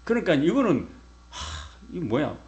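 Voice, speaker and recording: Lively middle-aged man preaching conversationally. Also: a little high, measured pace. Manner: conversational preaching with rhetorical questions to the congregation. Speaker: pastor. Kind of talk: sermon.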